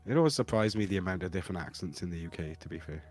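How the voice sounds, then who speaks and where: Deep-voiced Welsh man, jokey. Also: animated, rapid-fire, a little mellow, faint music behind. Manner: jokey, laughs often. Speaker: board game player. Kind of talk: casual chat while gaming.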